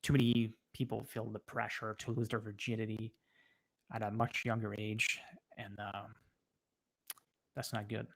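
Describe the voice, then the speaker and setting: Low, creaky-voiced French-accented man. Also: monotone, slight background noise. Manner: halting, often pausing mid-sentence. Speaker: livestream host. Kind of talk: casual livestream chat answering viewers.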